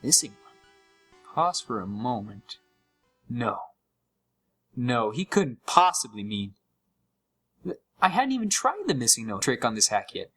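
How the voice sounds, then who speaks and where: A man's voice: medium pitch, very animated, unhurried, pauses often, a bit bright, husky, soft background music, full character voice. A young man playing an uneasy gamer who narrates a scripted horror story with dramatic, suspenseful delivery. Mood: puzzled, tense. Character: uneasy young male gamer recounting a haunted game.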